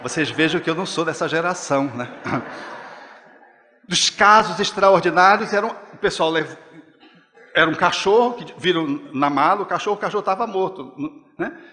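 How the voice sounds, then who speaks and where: A man with a Brazilian Portuguese accent giving a spiritist talk in a lecture hall, expressive and acting out parents speaking to children. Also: sits high, normal speed. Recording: long hall reverb.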